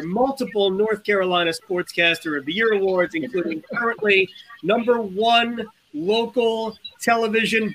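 A man hosting a casual sports show, chatting with guests in a halting, hesitant way. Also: sits high, bright, forceful tone, slight background noise, low-quality recording.

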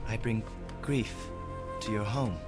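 An actor playing a proud, earnest young Native American man in a radio drama, speaking formally and haltingly. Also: fairly low pitch, loud music behind the voice. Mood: earnest, defiant.

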